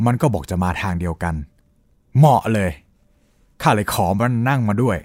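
A man voicing a rough-talking village man who tells of a ghostly encounter with blunt, coarse speech. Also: fairly low pitch, moderate pace, dry recording, studio quality, natural voice. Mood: uneasy recounting. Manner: lively storytelling, rising and falling. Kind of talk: Thai audio-drama storytelling.

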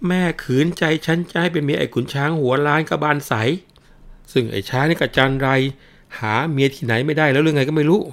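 A man voicing a desperate young woman shouting for help. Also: fairly quick, vocal fry. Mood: panicked. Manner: shrill shouting.

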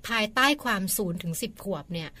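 A middle-aged woman co-hosting a radio talk show, expressive and playful as she explains. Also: lowish voice, fast. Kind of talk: casual chat.

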